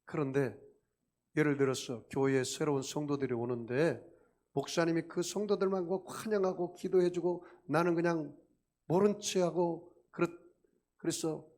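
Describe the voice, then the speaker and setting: Male pastor, sermon delivery, slightly higher voice, emphatic with rhetorical questions. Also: moderate pace, a little mellow.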